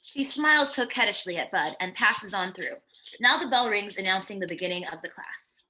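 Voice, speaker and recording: A woman's voice: mid-range voice, expressive, normal speed, pushed and bright, poor audio. A woman narrating screenplay stage directions in a plain descriptive reading, with the occasional stumble, at a virtual table read.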